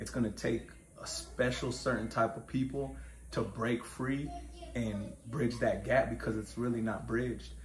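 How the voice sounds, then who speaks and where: A man with an American accent speaks at a fairly slow pace over light background noise. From Tucson, Arizona; Arizona. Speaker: podcast guest, formerly incarcerated; podcast guest. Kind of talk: casual interview chat. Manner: articulate. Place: home room. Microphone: lapel.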